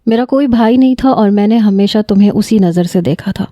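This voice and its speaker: A woman's voice: mid-range voice, warm tone, no echo, close to an everyday voice. A woman voicing a hurt, defiant young woman who speaks sharply and reproachfully in a narrated romance story. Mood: indignant.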